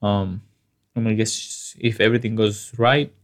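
Low-voiced Chicano man, halting and slangy. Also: fairly even intonation. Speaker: photographer. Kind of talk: casual chat, switching between Spanish and English.

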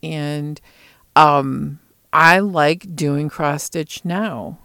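A woman's voice: deep voice, a bit bright, clear, resonant tone, no room sound. A middle-aged woman chatting casually in a rambling way, thinking aloud as she talks about her hobbies. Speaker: craft vlogger.

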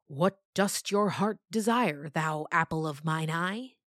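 A grandiose old farmer, declaiming slowly in old-fashioned "thou" speech, as a woman puts him on. It sounds dry and close-miked. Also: deep voice, a bit bright, no echo. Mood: doting. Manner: archaic, slow and grandiose. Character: rich old farmer, cruel and pompous.

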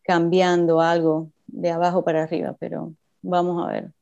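A woman with a hybrid Cuban-Argentine accent talks in a low, dark, mellow voice. She pauses often on fillers and drops English phrases into her Spanish. The recording sounds dull and lo-fi. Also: completely flat delivery, creaky. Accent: mixed Cuban and Argentine Spanish. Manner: hesitant, many fillers, mixes in English phrases. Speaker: interview guest. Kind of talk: casual conversation.

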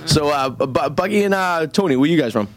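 A man's voice: fairly high pitch, expressive, brisk, slight background noise. A man in his thirties with a Boston accent, hosting a radio show in casual, bawdy chat and laughing at his own jokes. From Massachusetts, USA. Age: 30s. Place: radio studio.

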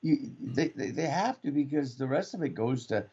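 Lively jokey co-host from Canada. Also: male voice, mid-range voice, husky. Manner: quick agreeing interjections, jokey. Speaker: radio co-host. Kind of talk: casual talk radio banter. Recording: slightly dull lo-fi sound.

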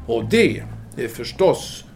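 An actor playing a self-assured, philosophizing Parisian intellectual man in an audio drama, with formal, deliberate phrasing. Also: medium pitch, big pitch swings, gravelly, darkish tone, faint music behind. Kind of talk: audio drama acting, formal literary dialogue.

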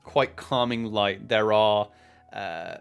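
Slow-paced man narrating a tabletop game. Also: fairly low pitch, gravelly, clear, resonant tone, faint music behind. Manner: hesitant, descriptive, pausing mid-phrase. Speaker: game master.

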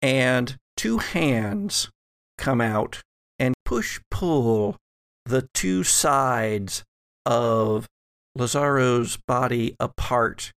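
A man narrating a tabletop horror game as game master, deliberately and with dramatic pauses. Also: medium pitch, fairly bright tone, clear, resonant tone, dry recording, studio quality.

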